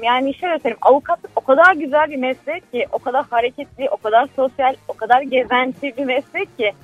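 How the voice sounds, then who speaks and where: Woman caller, lawyer, speakerphone line, high and dry, earnest and outspoken. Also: dry recording. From Istanbul, Turkey. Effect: phone call on speakerphone from a car. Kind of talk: live radio call-in chat.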